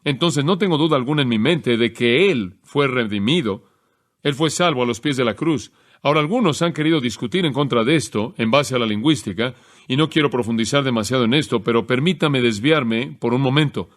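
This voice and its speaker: A man preaching an expository sermon, explaining a text in a measured teaching manner and slowing down to stress key phrases. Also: medium pitch.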